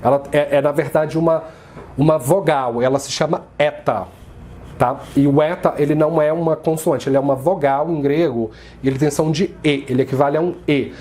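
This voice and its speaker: A man from Brazil teaching an introductory lesson, slowly spelling out words and drilling their pronunciation. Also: a little high, fairly even intonation, a little mellow. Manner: slow, careful pronunciation drills. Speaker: astrology teacher.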